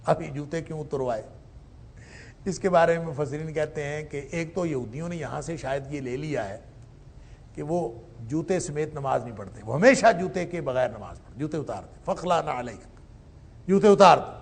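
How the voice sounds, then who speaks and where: A man teaching Quran commentary in a lecture, slowly reciting Arabic verses and then explaining them with rising emphasis. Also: on the high side, expressive, husky.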